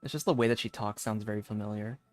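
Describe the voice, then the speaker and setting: A man streaming a video game with casual live commentary, thinking aloud in a halting way. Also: lowish voice, steady tone, darkish tone, dry recording, faint music behind.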